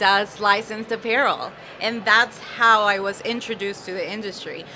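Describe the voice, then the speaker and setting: Noticeable background noise sits behind a woman with a Spanish accent. Her pitch is fairly high and her intonation fairly even. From El Salvador. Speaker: apparel company creative director. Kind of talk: casual interview chat. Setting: live stream.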